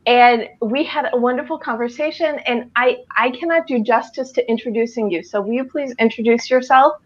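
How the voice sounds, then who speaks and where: A woman's voice: fairly high pitch, fairly quick, dull audio. A woman hosting a live video chat, upbeat and welcoming as she introduces guests. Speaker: host.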